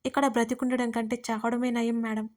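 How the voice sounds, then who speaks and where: A woman voicing a frightened, tearful young servant woman who pleads in a hushed, urgent way in an audio story. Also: on the high side, flat delivery, a little fast, natural voice. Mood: pleading.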